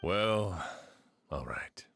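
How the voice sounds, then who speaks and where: A man's voice: low-pitched, lively intonation, drawn-out words, creaky, fairly bright tone, heavily acted. A man playing a weary, fair-minded sheriff with an official manner in a video game. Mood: solemn, relenting.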